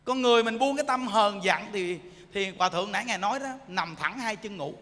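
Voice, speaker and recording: A man giving an animated sermon as a Buddhist monk, teasing the audience and often asking them if they understand. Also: sits high, fast talker. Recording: echoey hall.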